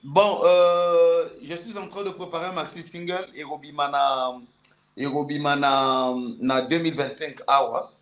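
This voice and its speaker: A Congolese man with a Congolese French accent, a musician guest in a casual interview, repeating warm greetings. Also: on the high side, steady tone, measured pace. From Republic of the Congo. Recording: roomy, dull lo-fi sound.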